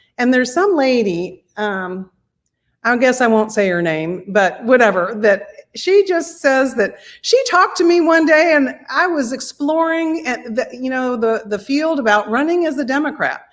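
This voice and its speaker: Animated and full of very wide pitch swings, the voice keeps a moderate pace in a very clean recording with a silent background. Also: woman, high pitch for a woman. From Florida (Brevard County). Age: 60s. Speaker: political candidate. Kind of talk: interview.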